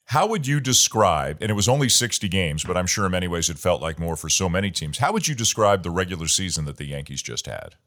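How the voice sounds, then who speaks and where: A man hosting an interview, asking long, measured questions. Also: deep voice, expressive, fairly bright tone. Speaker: podcast host and baseball play-by-play announcer.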